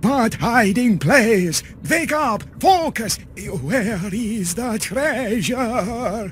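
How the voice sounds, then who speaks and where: A man puts on a character voice at an extremely high pitch, speaking at a very slow pace over clear background noise. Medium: video game. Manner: guarded, evasive.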